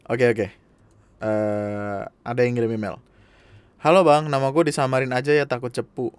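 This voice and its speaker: A man with hosting a casual podcast, reading a listener's email aloud and chatting in an animated, laughing way with plenty of swearing. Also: medium pitch, takes it slowly, long pauses, smooth, no echo. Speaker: podcast host.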